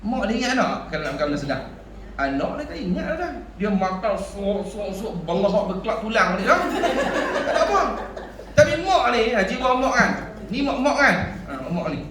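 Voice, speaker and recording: A male religious teacher gives a sermon in a small village prayer hall. His voice sits high, and he tells stories in an animated way, acting out the speech of others. The hall rings with echo, and he sounds a little distant from the microphone. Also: brisk, a little hiss or hum. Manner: animated storytelling with laughter and acted quotes. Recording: echoey hall, speaker far from mic.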